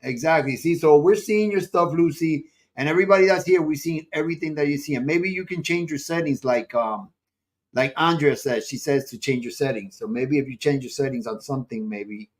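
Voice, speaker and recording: A man with a slightly high voice hosts a casual live online show. He chats with his guest and viewers in an exclamatory way, often repeating himself. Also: a little fast.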